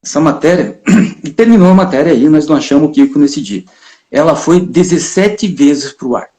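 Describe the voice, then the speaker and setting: Mellow-voiced reporter storyteller. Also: male voice, a little high, normal speed. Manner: lively, chuckles often, acts out other people's voices. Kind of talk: storytelling anecdote in an interview.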